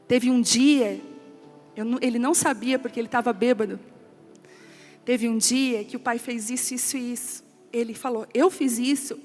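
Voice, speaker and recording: A woman pastor giving an emotional testimony sermon, telling a family story and quoting relatives in a softer voice. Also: on the high side. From Brazil. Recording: long hall reverb with soft music.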